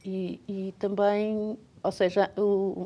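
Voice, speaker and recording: A woman's voice carries a dark, mellow tone. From Portugal, Coimbra. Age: 60s. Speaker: university lecturer and psychologist. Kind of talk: TV interview. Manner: halting.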